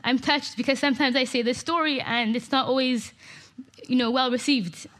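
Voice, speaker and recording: Canadian woman, fairly high voice, passionate speech to a crowd, lots of emphasis. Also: fairly even intonation, moderate pace, background noise. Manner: impassioned, emphatic. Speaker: speaker. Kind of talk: public talk to an audience.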